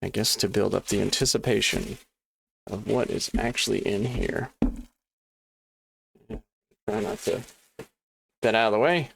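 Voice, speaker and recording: A man's voice: lowish voice, fairly even intonation, a little slow, gravelly, long pauses, slightly rough. A man hosting a board game unboxing at his desk, talking in a rambling, chatty way with many fillers and restarts, and often apologizing. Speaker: board game channel host. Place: home desk.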